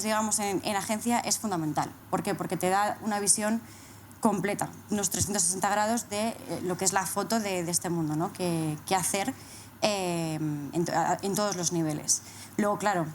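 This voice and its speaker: A woman's voice: medium pitch, slight background noise. A thirty-year-old woman with a Madrid accent, telling her own story as an interview guest, often posing rhetorical questions. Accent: Spanish (Madrid). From Madrid, Spain. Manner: breaks explanations with rhetorical questions. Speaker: interview guest, corporate communications manager. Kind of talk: casual personal account in interview.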